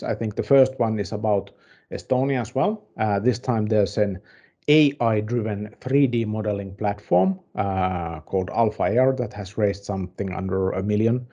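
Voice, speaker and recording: A middle-aged man presenting news semi-casually, in a halting, measured way. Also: fairly low pitch, warm tone.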